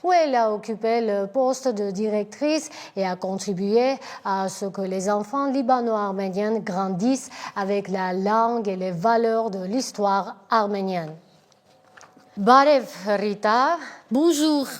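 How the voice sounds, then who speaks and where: Woman host, mid-pitched, formal and measured interviewer. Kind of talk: scripted introduction and interview questions.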